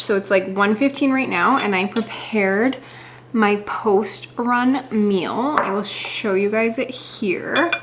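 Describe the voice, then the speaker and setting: A woman's voice: fairly high pitch, fairly bright tone. A woman chatting casually to the camera as a vlogger, indoors at home. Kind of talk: casual vlog chat. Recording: light ambient background noise.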